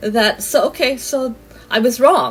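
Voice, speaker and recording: A woman at a fairly high pitch and fairly slow pace, with music in the background. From Canada. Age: 50s. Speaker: author and educator. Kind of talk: panel discussion. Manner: halting, many fillers.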